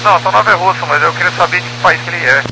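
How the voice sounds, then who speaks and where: A man's voice: sits high, very fast, creaky. A Brazilian man speaking as an airline pilot over a cockpit headset radio, in exchanges that are partly casual. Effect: pilot cockpit headset radio transmission. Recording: noisy aviation radio with mains hum.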